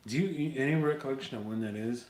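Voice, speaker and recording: A man's voice: medium pitch, fast talker, a little mellow. Crude joking man in an echoey room. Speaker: livestream host. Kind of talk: casual livestream chat. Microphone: tablet mic. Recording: echoey room with faint noise.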